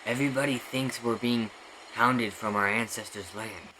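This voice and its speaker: An amateur actor playing a defiant, stubborn young tribal outcast in an anime fan dub, on a noisy recording. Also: male voice, medium pitch, natural voice.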